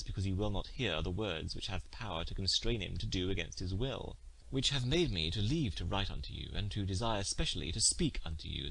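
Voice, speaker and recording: A man's voice: lowish voice, fairly bright tone, slightly rough, full character voice, low-quality recording. A man reading the part of a humble, lovesick young suitor in a storybook, entreating in formal, ornate speech. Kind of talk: storybook character dialogue.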